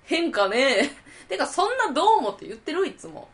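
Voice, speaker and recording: Animated Kansai woman, quick to laugh. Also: high voice. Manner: laughs easily, protests being teased. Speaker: podcast co-host. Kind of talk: casual chat.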